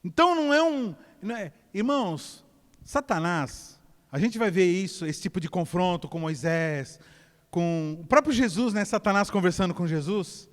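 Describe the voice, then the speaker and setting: A man with a Brazilian Portuguese accent, preaching a sermon as a pastor in an animated way and calling out to his congregation. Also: high voice, normal speed. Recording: long church-hall reverb.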